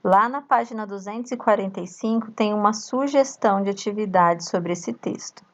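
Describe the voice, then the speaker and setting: A woman teacher with a Brazilian accent, slowly reading a workbook lesson aloud to young children and chanting the syllables. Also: mid-range voice, highs cut off. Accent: Brazilian Portuguese. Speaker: primary school teacher.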